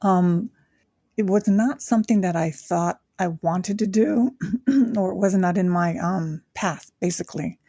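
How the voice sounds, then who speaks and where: Older woman guest from Japan, husky low voice, unhurried and reflective with many pauses, dry sound. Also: warm tone, no room sound. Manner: reflective, with frequent pauses and fillers. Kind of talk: casual interview chat.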